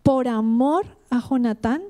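A woman preaching a sermon in a fairly high, mellow, warm voice. She speaks with earnest, heartfelt feeling, addressing the congregation directly as she weaves personal testimony into her preaching. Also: measured pace.

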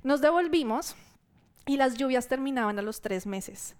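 A woman preacher giving a sermon testimony to her church, telling the story in a lively way and acting out what people said. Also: high voice, normal speed, smooth.

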